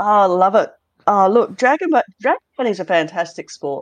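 A woman with an Australian accent, lively intonation and a moderate pace. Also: quiet background. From Tasmania, Australia. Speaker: non-profit CEO. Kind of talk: casual interview.

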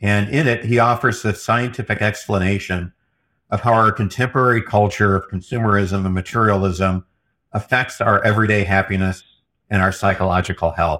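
Speech comes at a fairly quick pace with very even loudness and fairly even intonation. The tone is bright and sharp, on a very clean recording with a silent background. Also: man, fairly low pitch for a man. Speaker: author, speaker, former executive and Navy veteran. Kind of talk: interview conversation. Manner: articulate, fluent.

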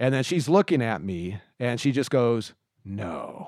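On a very clean recording with a silent background, a man speaks in a plain, everyday voice. He keeps a moderate pace with lively intonation. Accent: American. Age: 50s. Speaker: retired cold case investigator. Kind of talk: interview.

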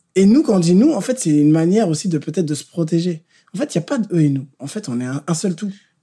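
Talking very fast, a man with a high pitch and a dark, mellow tone uses lively intonation. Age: 30s. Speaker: podcast host, trained social educator. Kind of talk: interview.

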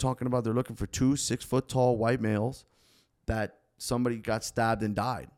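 A man with a Spanish accent speaks at medium pitch in a dry, close sound with no echo. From South Florida, Davie. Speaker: guest in recovery. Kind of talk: casual chat. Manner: animated.

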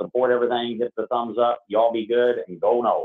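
At a very fast pace, a man speaks with an American accent. His pitch is medium and his intonation monotone and flat. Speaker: caller. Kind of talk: casual chat. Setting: phone call.

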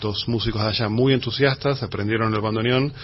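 At a fairly quick pace, a man with a fairly low pitch talks in a Rioplatense accent over noticeable background noise. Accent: Rioplatense Spanish (porteño). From Buenos Aires, Argentina. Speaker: bandoneon player. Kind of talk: radio interview.

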